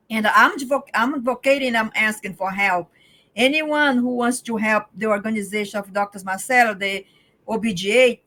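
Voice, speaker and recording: A woman, speaking earnestly and haltingly as a guest on a video call interview. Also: mid-range voice, a bit bright. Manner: earnest, halting, many restarts. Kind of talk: casual interview talk.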